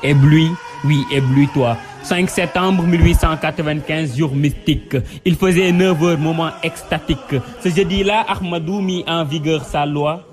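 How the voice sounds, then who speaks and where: A man with a slightly high voice recites devotional verse. His delivery is exalted and rhythmic, with emphatic, solemn phrasing. Soft music plays behind him. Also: fairly even intonation, normal speed, hardly any pauses. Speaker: poet reciting devotional poem. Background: music under the voice.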